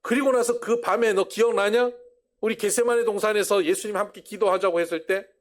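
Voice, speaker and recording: A man voicing a blunt, gruff middle-aged male apostle who talks in a brusque, scolding way and then confesses. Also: high voice, steady tone, brisk, pitched above the performer's own voice, natural voice. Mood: reminiscing.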